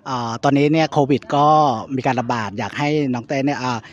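Fast-talking male event reporter. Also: medium pitch, steady tone, muffled recording. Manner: brisk, polite, lots of backchannel. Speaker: entertainment news reporter. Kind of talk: event interview. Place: outdoor rooftop event at night. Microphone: handheld mic.

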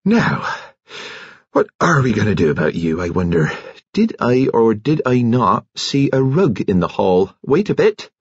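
Guy doing a cheery bustling nurse lady in an audiobook, pitch bounces all over, bit muffled. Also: sing-song, measured pace, husky, dry recording. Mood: brisk, cheery. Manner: hearty, bustling, chirpy turns of phrase. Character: brisk cheerful middle-aged woman district nurse.

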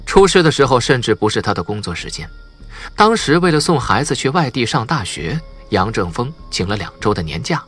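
A man's voice: mid-range voice, big pitch swings, brisk, a bit bright, slightly rough, soft background music. A man reading a suspense crime novel as a scripted audiobook narration.

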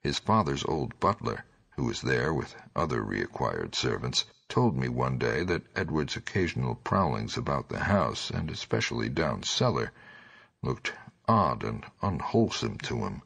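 Super deep gravelly guy reading a horror story, raspy and intense sound. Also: big pitch swings, unhurried, fairly bright tone. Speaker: audiobook narrator. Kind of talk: scripted horror story narration.

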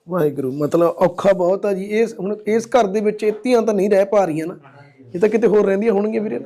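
A man's voice: sits high, fast talker, warm tone. A Punjabi-accented man hosting a charity video, consoling a family and appealing to viewers. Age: adult. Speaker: social-service video host. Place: outdoors at a village home.

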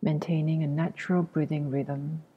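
A woman leading a guided meditation as a teacher, speaking gently with long pauses in a soft, breathy voice that nears a whisper. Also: low voice, level tone, muffled recording. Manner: gentle, unhurried, long pauses between short phrases.

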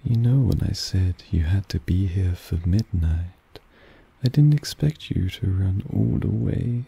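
A man's voice: low-pitched, animated, measured pace, vocal fry, mellow, slightly rough, full character voice. A man voicing a suave, possessive vampire who teases and dotes on his pet in an ASMR roleplay, purring with condescending affection. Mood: doting, amused. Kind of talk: ASMR roleplay addressed to the listener. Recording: rain ambience noise behind voice. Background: rain.

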